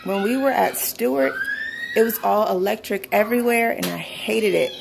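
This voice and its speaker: Recorded noisily at home on a phone held while walking, this vlogger is a young woman giving a casual tour of her house, laughing a lot and sometimes ranting about the rooms. She speaks at a normal speed with a creaky, medium-pitched voice.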